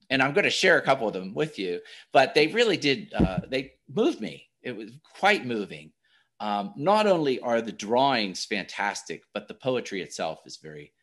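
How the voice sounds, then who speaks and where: A man's voice: on the low side, a bit bright. A man hosting a podcast interview, talking in a hesitant way with many restarts. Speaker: podcast host.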